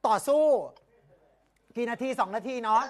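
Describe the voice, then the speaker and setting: Young woman, high voice, lively, teasing, loud guesses, live-stream host. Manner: lively, teasing, guessing loudly with quick laughs. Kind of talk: casual live-stream game hosting.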